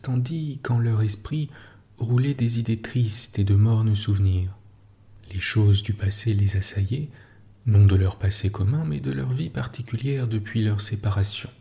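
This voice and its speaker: A man reading a literary story aloud in a calm, slow bedtime style, sometimes dropping to a whisper, close to the mic. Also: mid-range voice. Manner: slow, hushed, soothing delivery, dropping at times to a whisper. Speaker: narrator.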